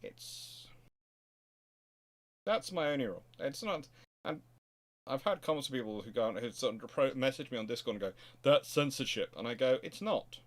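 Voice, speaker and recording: A man's voice: mid-range voice, expressive, moderate pace. Rambling man, informal history host. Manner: rambling, discursive, restarts sentences. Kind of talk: informal livestream question-and-answer.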